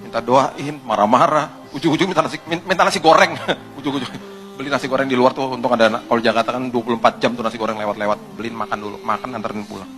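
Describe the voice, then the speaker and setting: Animated bright-voiced male pastor. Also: medium pitch, quick pace, soft background music. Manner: animated, conversational, rhetorical questions. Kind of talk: storytelling sermon.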